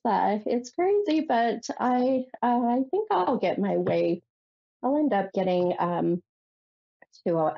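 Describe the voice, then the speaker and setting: A woman's voice: lowish voice, gravelly, warm tone, muffled recording. A woman hosting a psychic call-in radio show, sounding nasal from a head cold and rambling chattily with many fillers and restarts. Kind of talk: casual call-in radio monologue.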